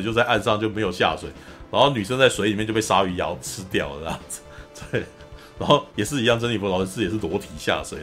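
A man hosting a podcast, recapping a film in a lively, casual storytelling way. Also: lowish voice. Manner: animated storyteller, often acts out quotes. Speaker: podcast host.

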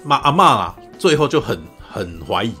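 A man's voice: mid-range voice, very animated, normal speed, bright, forceful tone, faint music behind. A man hosting a podcast, retelling a drama's plot in casual chat with many fillers, acting out quoted lines in a raised voice. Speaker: podcast host.

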